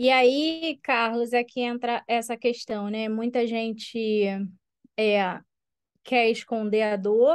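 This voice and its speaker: A very slow, fairly high-pitched woman's voice with fairly even intonation. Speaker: coach, former architect. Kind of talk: interview testimony.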